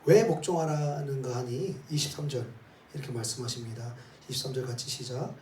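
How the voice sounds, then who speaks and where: A pastor speaks fairly quickly in a steady, slightly mellow mid-range voice, preaching a sermon and having the congregation read scripture aloud with him. Rhetorical questions and "eh?" tags pepper what he says. Recorded from some distance in a roomy church sanctuary, there is faint ambience plus a little hiss or hum.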